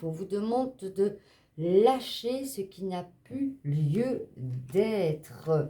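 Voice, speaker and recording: A woman speaks in a dark, mellow tone that is somewhat breathy. Her pitch swings very widely. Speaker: tarot card reader. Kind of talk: tarot reading. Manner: hesitant.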